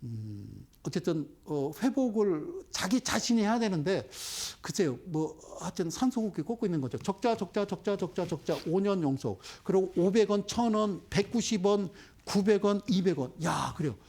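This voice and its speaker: A man's voice: high voice, expressive, normal speed, few pauses, darkish tone, slightly rough. A man giving investment broadcast commentary, scolding viewers with rhetorical questions. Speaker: stock market commentator.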